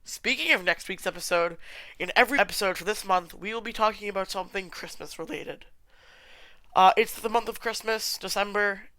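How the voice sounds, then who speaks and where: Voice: medium pitch, pushed and bright, clean tone, dry recording. A podcast host with a stuffy nose and sore throat, chatting casually and giving opinions in a solo film review. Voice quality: congested.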